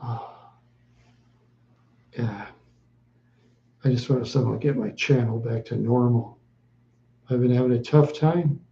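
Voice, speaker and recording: A man chatting slowly with viewers on a live stream, answering in short, halting phrases and often repeating himself. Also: mid-range voice, fairly even intonation, creaky, dark tone, echoey room, highs cut off. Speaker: livestreamer.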